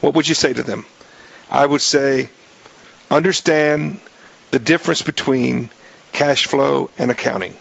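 A man hosting a radio talk show in a casual, joking way, his voice raspy, often restarting his sentences. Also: mid-range voice, a little slow, pauses often, fairly bright tone, poor audio. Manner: jokey, rambling with many restarts.

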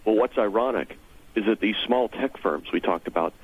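A man's voice: lowish voice, normal speed, husky. A man explaining policy points as a guest in a radio interview, over a thin phone line. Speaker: interview guest, technology trade association representative.

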